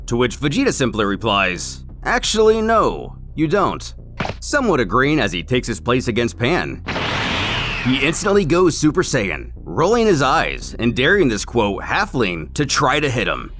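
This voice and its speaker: A man delivers scripted recap narration with dramatic emphasis. His mid-pitched voice moves up and down in a lively way, with faint music playing behind him. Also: moderate pace.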